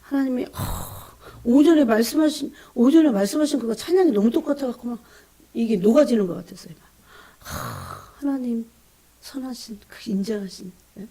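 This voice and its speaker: A woman delivers a fervent, emotional sermon in a slightly high, slightly fast, husky voice. She often calls out to her congregation and drops into hushed whispers between bursts of emphasis.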